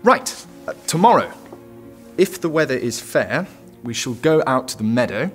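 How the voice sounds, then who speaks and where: Audio drama royal heir played by a man: genial, dithering, excitable, very lively pitch, bright forceful tone. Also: normal speed, faint music behind, close to an everyday voice. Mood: flustered. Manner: hesitant, effusive, courtly.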